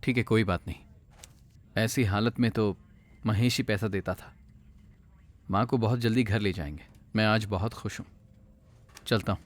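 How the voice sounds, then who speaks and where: An actor playing a quiet, polite man talking with his mother's doctor. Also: fairly low pitch, normal speed, long pauses, close to an everyday voice. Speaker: patient's son. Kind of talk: film dialogue.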